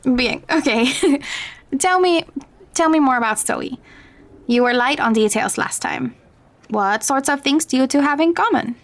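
Caring, higher-voiced motherly Latina confidante. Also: expressive, unhurried. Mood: playful, curious. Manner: gentle, code-switches into Spanish. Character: caring, probing motherly Latina confidante, teasing but gentle. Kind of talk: naturalistic fiction podcast acting.

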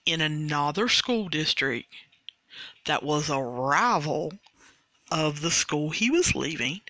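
A podcast host, explaining a rule slowly and carefully in a casual monologue. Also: medium pitch, bright, forceful tone, dry recording. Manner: slow, deliberate, careful explaining with restarts.

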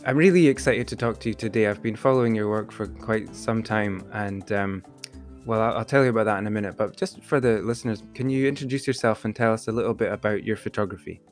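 A man's voice: fairly low pitch, fast talker, soft background music. A man hosting a podcast, reading the sponsor spot and then telling a long story with many ums and restarts. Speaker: podcast host. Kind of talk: podcast interview and sponsor read.

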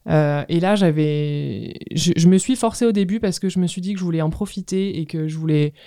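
A woman's voice: fairly low pitch, a little fast, warm tone, dry recording, clean studio sound. A woman in her thirties answering casually as an interview guest, hesitant and often searching for words. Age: 30s. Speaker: guest artist, ceramicist.

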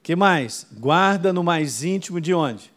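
A male pastor, preaching a sermon in a lively, conversational way full of quick asides. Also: a little high.

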